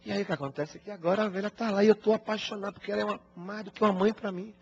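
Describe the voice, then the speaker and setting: A man's voice: high-pitched, steady tone, very fast, darkish tone, breathy edge, voice pushed up. A man voicing a troubled young wife who pleads earnestly for help, recorded as dull lo-fi broadcast audio.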